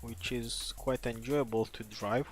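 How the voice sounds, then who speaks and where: A man with a Romanian accent, a native Romanian speaker, chatting casually with viewers on a live gaming stream, pausing often with "uh" fillers. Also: medium pitch, fairly even intonation. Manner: halting, many "uh" fillers, easygoing. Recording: loud game music behind the voice.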